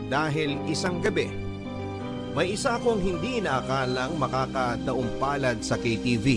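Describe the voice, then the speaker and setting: A man's voice: mid-range voice, close to an everyday voice. A man narrating a confessional letter in an earnest, reflective radio drama style.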